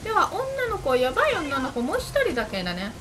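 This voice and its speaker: A young woman doing playful, excitable gameplay commentary, talking to herself and breaking into shrieks. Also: sits high, quick pace. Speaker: gamer commentating a let's play. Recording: noisy game audio under voice.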